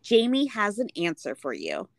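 A woman's voice: mid-range voice, wildly swooping pitch, moderate pace, creaky. A woman co-hosting a podcast with a chatty, playful way of talking. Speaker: podcast co-host. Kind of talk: casual chat and read sponsor spots.

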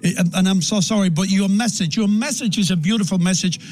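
A man's voice: high-pitched, fast talker, a little mellow. Man interpreting live. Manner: restarts often, stammering while interpreting. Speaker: TV host and interpreter.

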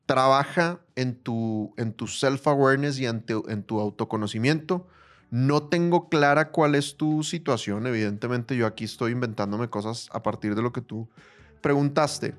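A man co-hosting a podcast, giving casual advice and telling a personal story with lively slang. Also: mid-range voice, normal speed. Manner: animated storytelling, calls listener brother and compadre. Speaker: podcast co-host.

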